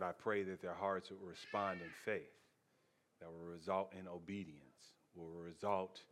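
A man preaching as a pastor, telling stories in deliberate short phrases with pauses for emphasis. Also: sits low. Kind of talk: sermon with storytelling.

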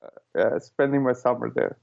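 A man's voice: mid-range voice, moderate pace, creaky, darkish tone. Serbian-born man, dull lo-fi sound. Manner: hesitant, many fillers and restarts. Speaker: guest, author and consultant. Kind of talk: casual interview answers.

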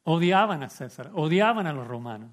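A male pastor delivers an expository sermon in a voice pitched a little higher than most men's. He preaches with emphasis, stacking repeated words and throwing out rhetorical questions to the congregation. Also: lively intonation, fairly quick.

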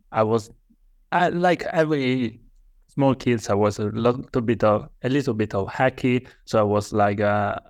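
An Italian man with a medium-pitched voice speaks English as a guest author on a podcast interview, recorded in studio quality with no room sound. His speech is hesitant, full of fillers and restarts, and carries an Italian accent.

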